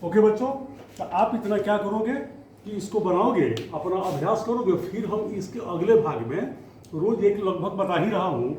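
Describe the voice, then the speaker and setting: A man teaching Hindi grammar to students, explaining slowly and often stretching out words as he goes. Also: high voice, lively intonation, a little mellow, slight background noise. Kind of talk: classroom lesson. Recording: echoey room, faint ambience.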